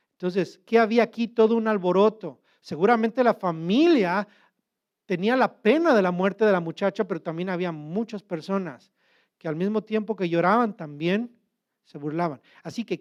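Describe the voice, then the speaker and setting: A man's voice: high-pitched, a little mellow, lo-fi sound. A man preaching as a pastor, asking questions and answering them himself. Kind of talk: sermon.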